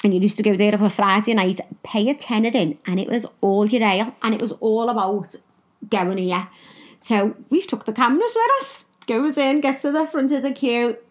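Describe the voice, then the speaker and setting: A woman's voice: fairly high pitch, moderate pace. A middle-aged woman with a Liverpool accent, bluntly telling her own life story and swearing freely. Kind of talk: personal storytelling monologue.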